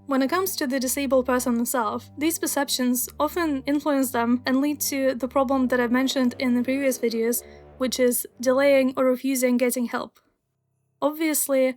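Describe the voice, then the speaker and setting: A woman's voice: high-pitched, darkish tone. A young woman whose first language is Russian, narrating a scripted video essay in an earnest, wry, explanatory way. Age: young adult.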